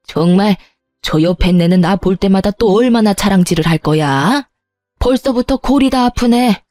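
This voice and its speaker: A woman's voice: mid-range voice, normal speed, a little mellow, no room sound, studio quality, faint music behind, natural voice. A woman voicing a scolding, sarcastic mother-in-law. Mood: scornful. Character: nagging sharp-tongued middle-aged mother-in-law.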